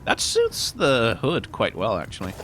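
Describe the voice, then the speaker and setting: A man's voice: mid-range voice, huge pitch swings, unhurried, a bit bright, slight background noise. A man giving casual video game commentary, musing aloud in a wry way. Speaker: gaming video host. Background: faint game music.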